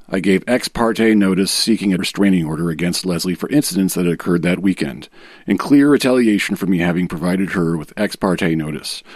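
A man reading a legal declaration aloud in a formal, measured way, as a guest reader. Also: low-pitched, no echo. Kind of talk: dramatic reading of a legal affidavit.

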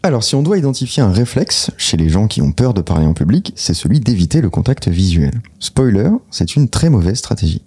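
Low, fast, husky-voiced man. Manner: teasing, deadpan self-mockery. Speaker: podcast co-host. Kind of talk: casual chat, reading out notes.

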